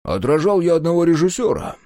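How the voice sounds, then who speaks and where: A man's voice: mid-range voice, huge pitch swings, warm tone, no echo, studio quality. A man voicing a sly, unflappable old uncle. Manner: weighty, deliberate. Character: sly older male storyteller, unflappable.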